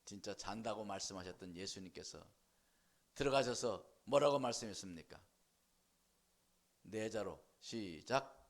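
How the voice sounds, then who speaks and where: Gravelly, animated Korean pastor preaching. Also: male voice, lowish voice, a little slow, pauses often. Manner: animated preaching, asks the congregation for responses, acts out voices. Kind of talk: sermon. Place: church.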